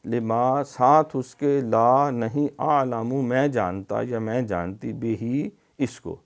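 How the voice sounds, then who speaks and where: A middle-aged man with a Pakistani Urdu accent teaching Quran recitation, drilling letter sounds slowly and then explaining them. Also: medium pitch. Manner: stretches syllables, louder on drills. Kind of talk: recorded tajweed lesson.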